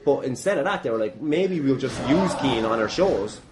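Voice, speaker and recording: A man's voice: mid-range voice, expressive, normal speed. An Irish man hosting a casual interview in a joking, sweary, bantering way. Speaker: podcast host. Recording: noisy venue with clatter behind. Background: noise from a wrestling ring.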